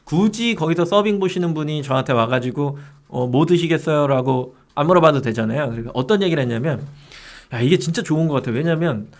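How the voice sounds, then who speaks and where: A male instructor leads a casual live lesson for online sellers. His voice sits a little higher than most men's. He keeps it conversational, checking in with quick tag questions. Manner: chatty, rhetorical tag questions.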